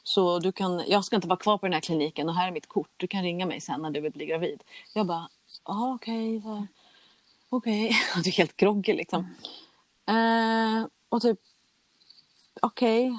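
Young woman, low voice, candid podcast storyteller who acts out dialogue, dry close mic. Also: no echo. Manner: candid, chatty, acts out quoted exchanges. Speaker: guest telling her story. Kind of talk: casual personal storytelling.

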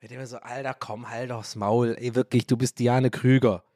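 A man's voice: mid-range voice, little pitch movement, normal speed, warm tone, no room sound, studio quality. Rambling, joking man hosting a podcast. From Ireland. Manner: rambling, joking, self-mocking, swears casually. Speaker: podcast host. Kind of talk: casual rambling monologue.

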